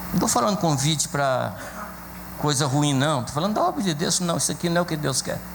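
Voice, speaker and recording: With audible room echo and noticeable background noise, a man speaks at a fairly quick pace and a fairly high pitch. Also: ordinary pitch variation. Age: 60s. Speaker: pastor. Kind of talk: sermon.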